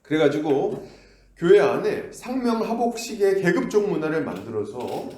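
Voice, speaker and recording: A man's voice: high-pitched, big pitch swings, moderate pace, mellow. A male pastor preaching a conversational sermon, often asking the congregation questions. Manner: conversational, asks the congregation questions, acts out scoldings. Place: church sanctuary. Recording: echoey church room.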